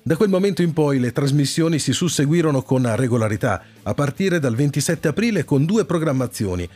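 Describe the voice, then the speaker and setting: Male radio presenter, scripted narration, slightly high voice, music underneath. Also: animated, a little fast, darkish tone, breathy edge. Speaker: radio show host. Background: background music.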